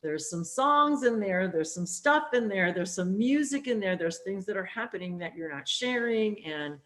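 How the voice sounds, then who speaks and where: A woman hosting a spiritual interview, talking in a rambling, animated way with plenty of fillers. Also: mid-range voice, moderate pace. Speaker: host. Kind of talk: casual spiritual interview chat.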